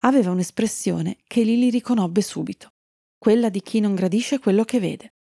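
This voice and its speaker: A woman narrating a fairy tale for children, telling it in a calm storytelling manner and greeting young listeners at the end. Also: medium pitch, moderate pace, no room sound, studio quality.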